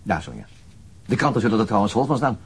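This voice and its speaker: An actor playing a sober, determined police detective in a radio crime drama, terse and matter-of-fact, with a husky voice. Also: male voice, fairly low pitch, very animated, quick pace, exaggerated voice. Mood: firm, weary.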